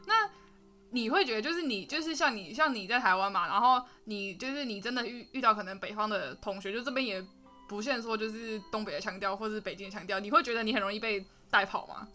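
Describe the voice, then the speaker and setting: A woman's voice: medium pitch, fast talker, pushed and bright, faint music behind. A young woman with a Taiwanese Mandarin accent hosting a casual interview, chatty and giggly with hesitant restarts. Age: young adult. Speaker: podcast host.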